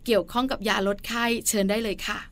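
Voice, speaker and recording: A woman hosting a casual parenting talk show, chatty and animated, asking questions. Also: fast talker. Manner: chatty, animated, mimics elders in higher voice. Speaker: podcast host. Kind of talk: casual chat.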